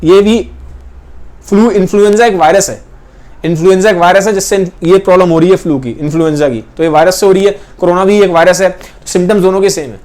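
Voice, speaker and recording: Explaining a class lesson, a young biology teacher talks fast in a high-pitched, darkish voice. He repeats key points, checks in with his students often, and points at pictures as he goes.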